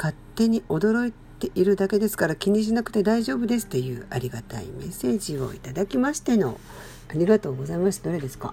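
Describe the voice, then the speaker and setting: A woman talks at a fairly quick pace with very wide pitch swings. Noticeable background noise runs underneath. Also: medium pitch for a woman. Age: 40s. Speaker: podcast host and painter. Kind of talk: casual talk answering listener mail. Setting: late-night solo radio talk.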